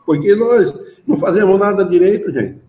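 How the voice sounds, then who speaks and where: The voice is a man's, pitched high and animated, moving at normal speed. With a Brazilian Portuguese accent, he leads an informal study group in an association's hall, chatting and reading passages aloud with energy. Sound is dull and echoes around the room.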